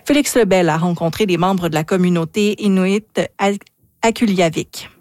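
A woman reads the morning radio news in a steady, measured voice. Her sound is close and dry, with no room around it. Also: fairly low pitch, no room sound. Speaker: news anchor. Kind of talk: radio newscast reading.

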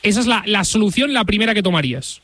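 A man with a Spanish accent from Spain hosts live sports radio in a high-pitched voice. He talks very quickly and effusively, hammering points home by repeating them. The sound is dry and close. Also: expressive, a bit bright, no echo. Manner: effusive, emphatic, repeats phrases for emphasis. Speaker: radio or stream host. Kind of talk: live sports show interviewing and commentary.

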